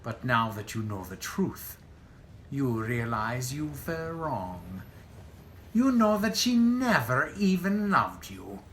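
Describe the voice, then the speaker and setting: An actor playing a ruthless Nazi general in an audio drama, pompous, theatrical and taunting. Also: male voice, medium pitch, very animated, slow, a bit bright, a little hiss or hum, heavily acted. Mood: gloating menace. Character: ruthless, gloating Nazi general bargaining for his life.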